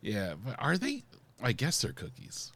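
A man's voice: mid-range voice, wildly swooping pitch, measured pace, bright, forceful tone. A man co-hosting a podcast, easygoing, with hesitant fillers. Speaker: podcast co-host and editor. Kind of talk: casual podcast chat.

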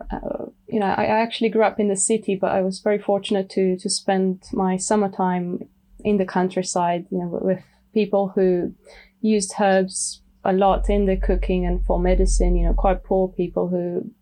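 A woman from Romania, a medical herbalist guest speaking softly and thoughtfully in a podcast interview. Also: medium pitch, little pitch movement, normal speed. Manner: soft-spoken, thoughtful, many you knows. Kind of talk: casual interview.

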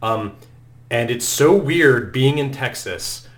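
A man's voice: medium pitch, animated, takes it slowly. A man whose first language is Norwegian, a game developer guest on a casual podcast, talking freely and saying "like" a lot. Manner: chatty, peppered with "like". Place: Texas.

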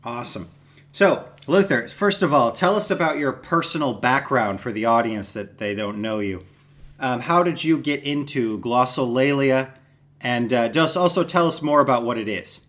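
A man's voice: medium pitch, lively intonation, moderate pace, a bit bright. Man hosting a podcast interview. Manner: friendly, rambling questions. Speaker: podcast host.

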